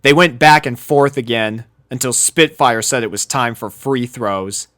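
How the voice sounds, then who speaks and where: A woman's voice: rumbling low, measured pace, fairly bright tone. A woman narrating a scripted story as a reader of fan fiction.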